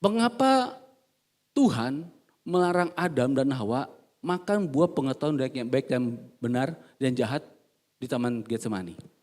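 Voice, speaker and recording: A male pastor preaching a sermon in a church service, humorous and animated, quizzing the congregation and swinging from quiet asides to loud emphatic bursts. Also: medium pitch, unhurried, long pauses.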